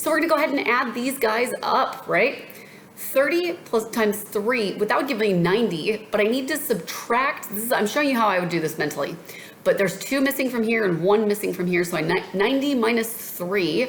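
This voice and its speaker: Over noticeable background noise, a woman speaks at a fairly quick pace with a fairly high pitch and very wide pitch swings. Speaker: math tutor. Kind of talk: tutorial.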